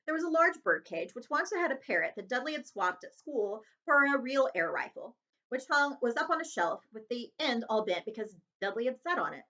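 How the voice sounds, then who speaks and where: A lively, bright female voice narrates a storybook expressively. Her pitch is fairly high, and the recording sounds slightly dull and lo-fi. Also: brisk. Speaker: read-aloud host.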